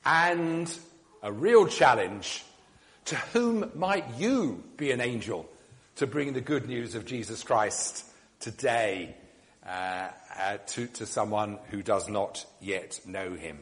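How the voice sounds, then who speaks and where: A man leading a church service, delivering a measured reflection and blessing with frequent ums, his voice carrying in a long churchlike reverb. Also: on the low side, expressive.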